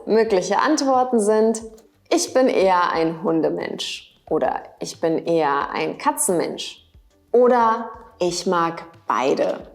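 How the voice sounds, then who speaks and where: A woman teaching German, slowly and carefully, repeating each example sentence. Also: medium pitch. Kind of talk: slow, clearly spoken language lesson.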